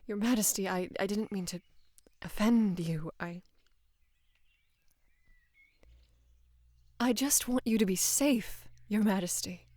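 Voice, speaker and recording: A young woman playing a devoted, lovestruck female knight in an intimate roleplay audio, speaking in a hushed, breathy, halting and earnest way. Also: medium pitch, no room sound, close to an everyday voice. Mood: anxious, pleading. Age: young adult. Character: devoted female knight, tender, anxious, in love with queen. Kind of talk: intimate roleplay audio, soft acted monologue.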